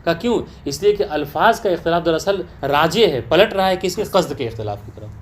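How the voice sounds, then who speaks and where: Male teacher of religious law, highish voice, lecturing students with frequent comprehension checks. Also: animated, a little hiss or hum. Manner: checks understanding with rhetorical questions to students. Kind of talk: classroom lecture explaining a text. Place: teaching session with students present.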